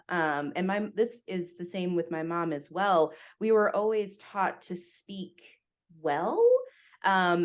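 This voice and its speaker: Candid, lively woman sharing her story. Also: lowish voice. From United States. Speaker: podcast guest. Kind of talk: casual interview conversation.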